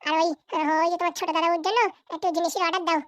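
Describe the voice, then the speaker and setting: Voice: very high-pitched, level tone, rapid-fire, fairly bright tone, no echo. A performer voicing a ruthless, ambitious, bossy wife and mother in a Bangla comedy cartoon, scheming coldly.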